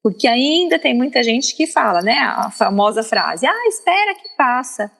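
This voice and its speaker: A woman's voice: fairly high pitch, big pitch swings, normal speed, vocal fry, a bit bright. A Brazilian woman speaking as a guest speech therapist on a podcast, explaining in a didactic, emphatic way with frequent tag questions. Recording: long reverb, faint background noise.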